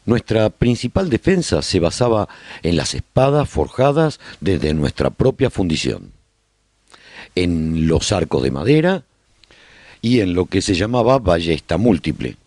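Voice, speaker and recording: A man narrating a radio drama as a survivor chronicling life in his colony, with measured, expressive storytelling. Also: deep voice, dry recording, heavily acted. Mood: reflective storytelling. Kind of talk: scripted first-person narration, radio drama.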